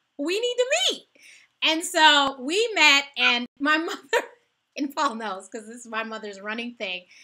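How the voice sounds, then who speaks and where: Raised and projected, a woman's high voice with a bright, sharp tone moves at a fairly slow pace, with very wide pitch swings and big swings in loudness. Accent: American. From West Indian heritage, Chicago. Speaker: talk show host. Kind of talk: interview. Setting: live stream.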